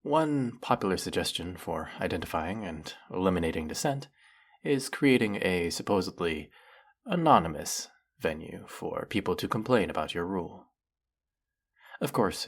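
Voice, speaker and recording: A man playing a flirty, fanatically devoted demon familiar in a dramatic audio roleplay, with fawning, formal diction and a breathy, husky voice. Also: deep voice, full character voice. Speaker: voice actor. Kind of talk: dramatic roleplay monologue spoken to the listener.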